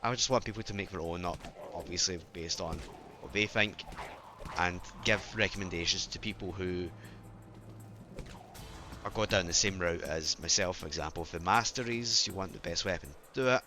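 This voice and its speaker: Low-voiced man with a sore throat. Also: normal speed. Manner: rambling, self-correcting, apologetic. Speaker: gaming channel host. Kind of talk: casual gameplay commentary. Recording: game music playing behind.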